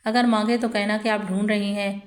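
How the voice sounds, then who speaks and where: A woman voicing a calm, firm senior woman lawyer who speaks seriously over the phone. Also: medium pitch, soft background music, lightly acted. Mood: grave. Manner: measured, serious, steady.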